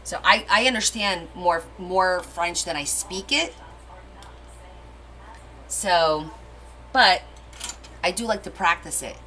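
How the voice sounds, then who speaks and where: A middle-aged woman, Portuguese her first language, talks in a somewhat low, easygoing voice. She rambles chattily while hosting a live crafting stream and answering viewers. A faint background hum sits under her voice. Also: slow pace, pauses often, pushed and bright, rough recording. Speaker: crafting livestream host. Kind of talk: casual live-stream chat.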